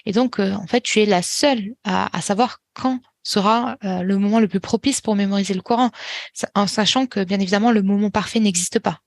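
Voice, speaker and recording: A woman who teaches the Quran, giving calm step-by-step advice in a podcast interview with frequent small restarts. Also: medium pitch, fairly quick, creaky, no echo, clean studio sound. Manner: calm and instructive, many small restarts and fillers.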